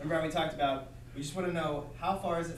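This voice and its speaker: A man speaks with ordinary pitch variation amid audible room echo and noticeable background noise. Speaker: math teacher. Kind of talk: lecture. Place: classroom.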